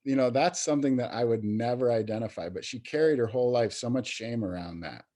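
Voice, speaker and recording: Speaking fairly quickly at a medium pitch, the man has a dark tone as he talks in a podcast interview. He's a youth recovery program coordinator from New York State, an adult in recovery who works as a peer professional, and his casual speech stumbles with fillers and restarts.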